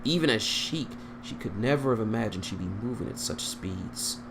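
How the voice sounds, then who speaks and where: A man's voice: lowish voice, expressive, normal speed. A man reading fan fiction aloud as an amateur narrator, stumbling over words, on a noisy recording.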